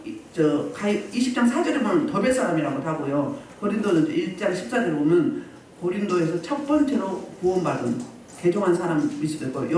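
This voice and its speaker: A woman pastor delivers a sermon at a healing service, her pitch swinging widely as she acts out shouting crowds. She is heard from a distance, and her voice rings around a very reverberant room with faint noise underneath. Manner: animated, acts out crowds and quotes. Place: church meeting room. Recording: echoey hall, distant mic.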